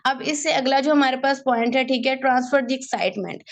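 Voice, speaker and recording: High-voiced woman coaching sales. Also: moderate pace. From Pakistan. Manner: lively and coaxing, mixes in English phrases, keeps asking "theek hai". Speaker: sales trainer. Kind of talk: online training session. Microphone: video call.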